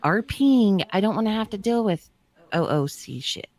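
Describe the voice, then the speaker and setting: A woman's voice: medium pitch, animated, moderate pace, a little mellow. A woman chatting casually as a panelist on a podcast. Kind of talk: casual chat.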